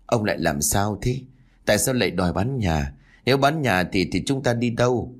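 A worried old village wife who frets and scolds her family, as a male narrator plays her. The voice stays low but moves a lot. She speaks in a narrated family story. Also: animated, moderate pace. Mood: scolding. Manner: fretful, scolding.

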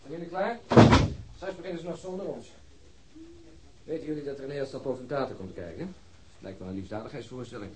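A man playing a chatty, irreverent police detective in a radio drama, gossipy and quick with a joke. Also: mid-range voice, noisy background, natural voice. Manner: gossipy, joking, talkative.

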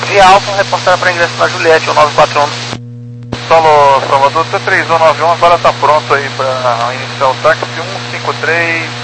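A man's voice: fairly high pitch, normal speed. A Brazilian man speaking as a pilot, giving clipped police-radio-like readbacks over a two-way radio. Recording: noisy, humming cockpit radio.

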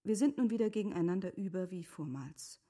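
Pitched on the low side, the actress gives the middle-aged wife a brisk, expressive reading that stays measured and earnest. The role in this literary radio drama is composed and formal, voiced breathily and often in a hush.

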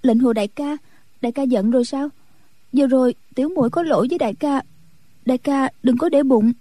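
A woman voicing a timid, tender young nun in a storybook reading, in a soft, anxious, pleading way. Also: sits high, a little fast, no room sound, pitched above the performer's own voice.

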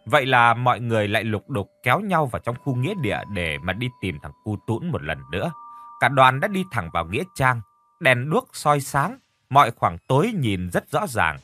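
Lively male horror story narrator. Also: mid-range voice, moderate pace. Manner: steady storytelling, acting out characters' lines.

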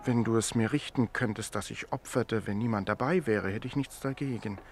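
A man acting in a radio play as a gentle, animal-loving Christian tailor, earnest and mildly stubborn. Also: on the low side, normal speed, slight background noise, close to an everyday voice. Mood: gently firm. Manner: mild, guileless, earnest.

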